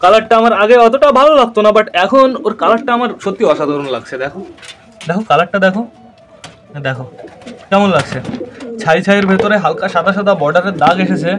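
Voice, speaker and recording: A high-pitched man with a lilt talks quickly and chattily, addressing his viewers as he films his pigeons on a rooftop. He coaxes the birds now and then. Faint cooing sits under his voice. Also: lively intonation, a bit bright, a little hiss or hum. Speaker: pet pigeon vlogger. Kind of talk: casual vlog commentary to viewers.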